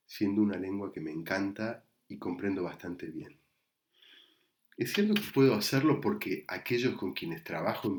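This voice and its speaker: A man with an Argentine Spanish accent, a psychoanalyst giving a prepared talk recorded remotely in a measured, reflective way. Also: fairly low pitch, darkish tone. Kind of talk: prepared lecture read to camera. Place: recorded remotely, not in the event hall.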